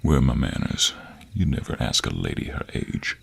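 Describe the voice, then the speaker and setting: A man playing a gruff, teasing cowboy monster hunter with a gentlemanly streak in an intimate audio roleplay, drawling in a deep, gravelly, husky American cowboy accent. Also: expressive, normal speed, heavily acted. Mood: probing, softening.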